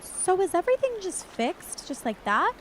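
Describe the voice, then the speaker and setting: A woman playing an excitable, fretful young woman in an audio drama. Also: extremely high pitch, normal speed, a little hiss or hum. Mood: anxious.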